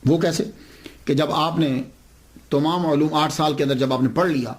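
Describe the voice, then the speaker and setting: A man's voice: a little high, steady tone. A man giving a religious lecture as a story, repeating key phrases and answering his own questions.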